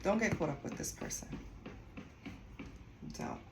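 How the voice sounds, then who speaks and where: A woman from Costa Rica giving a casual tarot reading, talking bluntly and swearing freely. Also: measured pace. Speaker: tarot reader. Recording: echoey room with steady background noise.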